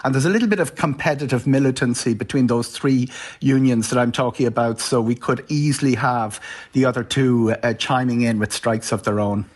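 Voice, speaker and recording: A man's voice: medium pitch, brisk. A man with an Irish accent giving an explanatory live radio news interview as a travel commentator, informal and somewhat stop-start.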